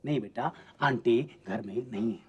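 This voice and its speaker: A man's voice: medium pitch, moderate pace, breathy edge, highs cut off. An actor in a TV serial playing a doting, teasing father with a wistful side. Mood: tender, wistful. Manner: teasing, theatrical, mock-formal with the child. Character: playful, doting father of a young child, secretly wistful. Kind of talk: Hindi TV serial drama acting.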